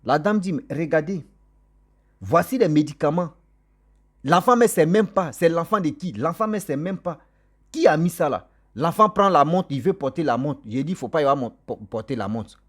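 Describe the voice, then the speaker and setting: A man, not a native French speaker, tells a story to his viewers in a lively, repetitive, chatty way. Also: a little high, moderate pace. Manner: animated, repetitive, warm direct address to viewers. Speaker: storyteller vlogger. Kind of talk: casual spoken storytelling.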